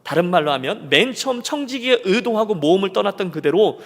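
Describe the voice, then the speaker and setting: A male pastor preaches in a high, swooping voice, drawing his listeners in with rhetorical questions. There is a gravelly edge to his voice, and it rings through a reverberant sanctuary. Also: fairly quick. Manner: animated storytelling, rhetorical questions to the congregation. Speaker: senior pastor. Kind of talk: sermon. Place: church sanctuary. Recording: long church reverb.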